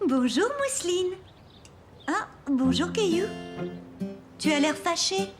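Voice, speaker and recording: A woman's voice: extremely high pitch, animated, takes it slowly, faint music behind, full character voice. A woman voicing a cheerful, attentive young babysitter in a French children's cartoon.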